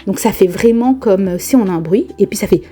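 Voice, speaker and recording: A woman vlogger telling a personal spiritual experience in a casual, lively way, often laughing and exclaiming. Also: medium pitch, fairly quick, slightly rough, soft background music. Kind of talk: casual first-person storytelling.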